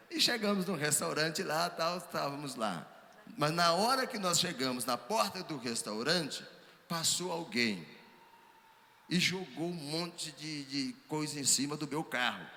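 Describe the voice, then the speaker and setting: A man, a pastor telling his story on a ministers' panel, acting out the dialogue with lively energy. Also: a little high. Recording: hall reverb, faint background ambience.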